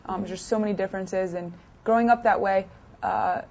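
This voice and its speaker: A woman's voice: mid-range voice, fairly even intonation, a little fast, gravelly, darkish tone. Chatty young woman, lo-fi sound. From United States, partly raised in France. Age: 20s. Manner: chatty, many fillers and restarts. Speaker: interview guest, poker player. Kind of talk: casual interview answers. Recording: dull lo-fi sound.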